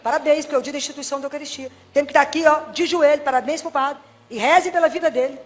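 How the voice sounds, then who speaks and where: A woman's voice: sits high, racing. A middle-aged Brazilian woman preaching a Catholic sermon to a congregation, telling stories and putting questions to her listeners. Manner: lively, storytelling, asks the audience questions.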